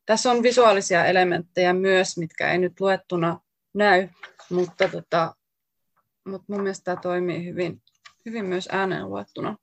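A woman author reading her own poetry aloud in slow, deliberate short lines. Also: lowish voice, fairly even intonation, gravelly.

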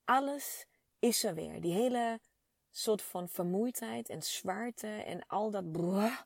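A woman's voice: mid-range voice, slow pace, vocal fry, no echo, clean studio sound. A woman in her thirties telling a personal story to her listeners in an open, chatty, emotional way with plenty of fillers. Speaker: vlogger speaking to a female audience.

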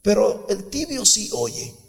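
A man's voice: sits high, wildly swooping pitch, takes it slowly, vocal fry, in a large hall, soft background music. A man preaching a sermon in a church, fervent and conversational, often calling the listener "brother". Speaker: pastor.

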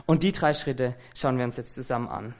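A man's voice: medium pitch, fairly quick. A man preaching an earnest, conversational sermon that he fills with rhetorical questions.

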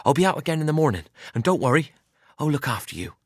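A man reading aloud and voicing an eager, gentle teenage farm boy in a higher, lively voice. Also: husky, no room sound, clean studio sound. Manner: quick, eager, pleading.

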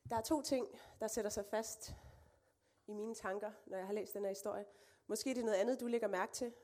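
A woman's voice: medium pitch, fairly even intonation, darkish tone. A woman preacher giving a conversational sermon, reading scripture with casual asides and fillers.

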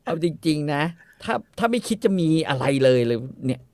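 A man's voice: on the high side, expressive, moderate pace, a little mellow, dry recording. Blunt middle-aged man chatting, close dry sound. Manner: blunt, crude joking advice with repeated phrases. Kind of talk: casual, bawdy chat.

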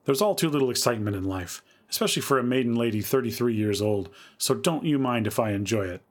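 A man's voice: mid-range voice, lively intonation, fast talker, lightly acted. A man reading the part of a bold, thrill-seeking unmarried woman in her thirties in a dramatic story reading. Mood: defiant. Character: spirited thirty-three-year-old unmarried woman.

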